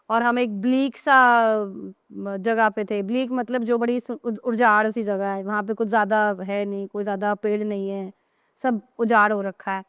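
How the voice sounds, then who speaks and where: A woman teaching English vocabulary in an explanatory way, often checking whether her students have understood and slowing down to read example sentences. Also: a little high, fairly bright tone, clean tone, no echo, studio quality. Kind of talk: online vocabulary lesson.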